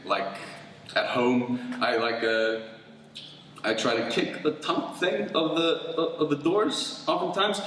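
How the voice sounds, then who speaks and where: A man doing a self-deprecating, halting stand-up set. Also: mid-range voice, fairly even intonation, a bit bright, slight background noise. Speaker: amateur stand-up comedian. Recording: echoey hall, distant mic.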